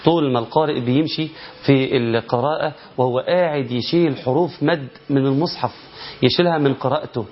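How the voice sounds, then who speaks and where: Man, Egyptian accent, recitation lesson, rhetorical questions, chanted verse examples, muffled lo-fi sound. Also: mid-range voice. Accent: Egyptian Arabic. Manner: asks rhetorical questions and answers them, demonstrates by chanting drawn-out verses. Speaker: Quran recitation teacher. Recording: lo-fi muffled recording.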